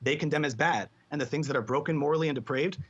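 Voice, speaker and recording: A man's voice: a little high, fast talker. A man arguing politics as an interview guest in long, formally worded sentences, on a slightly dull recording. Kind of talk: articulate political argument. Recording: slightly dull, muddy playback.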